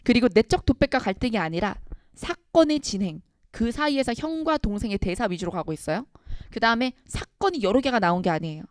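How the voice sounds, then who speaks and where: Lively woman teaching a lecture. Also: on the high side, a little fast, no room sound, studio quality. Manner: animated, reads quoted lines aloud with acted emphasis, addresses students directly. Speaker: Korean language exam instructor. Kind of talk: lecture explaining a literature passage.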